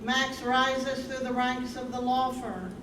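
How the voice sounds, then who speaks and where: A woman's voice: high-pitched, level tone, slow pace. A woman narrating in a staged play reading, delivering scripted lines. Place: live staged reading in a room. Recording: echoey room, distant mic, noisy.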